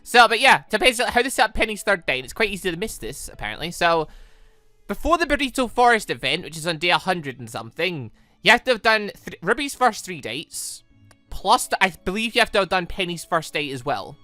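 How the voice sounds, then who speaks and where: A gaming host chats through a playthrough in a bright, forceful voice. The delivery is casual and rambling, with frequent self-corrections. The sound is dry, with music playing behind the voice. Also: mid-range voice, sing-song, a little fast, no echo. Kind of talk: casual let's-play commentary.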